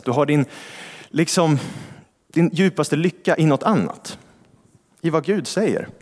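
A male pastor giving a sermon in a church, with a conversational style, asking rhetorical questions and reading scripture slowly. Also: fairly high pitch. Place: large church hall. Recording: long church reverb.

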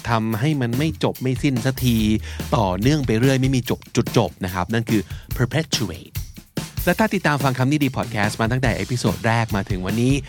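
A man's voice: mid-range voice, lively intonation, brisk, over music. Man co-hosting a vocabulary podcast. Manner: explains words in Thai, mixing in English terms. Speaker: podcast co-host teaching English vocabulary. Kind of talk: casual explanatory chat.

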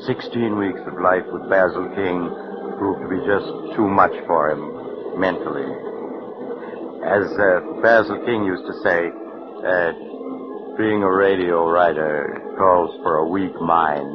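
A man's voice: sits low, steady tone, a little slow, noisy background. An actor playing a sly, sardonic male storyteller who hosts and narrates a radio drama in wry, insinuating 1940s radio acting, heard on a dull 1940s radio broadcast. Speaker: show host and narrator.

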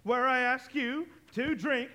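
A man's voice: very high-pitched, fairly even intonation, slow, bright, forceful tone, heavily acted. A man playing a jovial, good-hearted nephew and party host, hearty and declamatory, in a live stage radio play. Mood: grand toast. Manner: hearty, declamatory, toast-making. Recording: live stage recording with faint noise.

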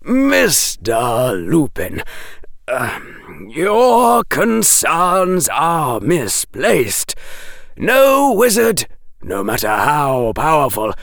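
A man voicing a stern, precise male wizard professor who speaks crisply and with disapproval. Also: medium pitch, big pitch swings, drawn-out words, a bit bright, no room sound, studio quality, voice pushed up, full character voice. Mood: crisp lecturing.

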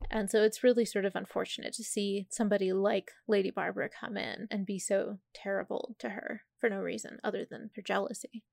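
A woman's voice: medium pitch, steady tone, fairly quick, vocal fry, few pauses, a little mellow, dry recording. A woman co-hosts a casual book discussion and retells the story in a chatty, filler-heavy way. Her voice sits in a middle register and sounds close and dry. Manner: retells the plot with many "like"s. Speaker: podcast co-host.

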